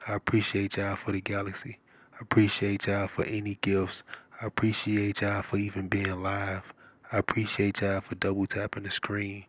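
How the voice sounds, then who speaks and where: A man reading a children's storybook aloud in a soft, partly whispered ASMR style, with lingering repeated remarks. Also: lowish voice, monotone, moderate pace, no room sound. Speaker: live stream story reader.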